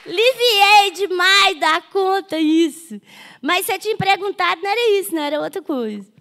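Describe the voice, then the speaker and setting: An older woman with a Minas Gerais accent spins humorous folksy stories as a guest author on a panel. Her voice sits high and bright. She keeps pulling the listener in with little "não é?" questions. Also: lively intonation, moderate pace. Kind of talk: folksy storytelling on a festival panel.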